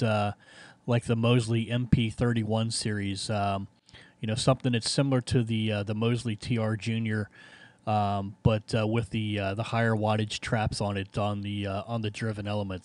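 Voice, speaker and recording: A man's voice: fairly low pitch, a little mellow, no room sound. Man chatting on ham radio, very dry sound. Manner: halting, searching for words. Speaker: amateur radio operator, streamer. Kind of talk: casual ham radio contact chat.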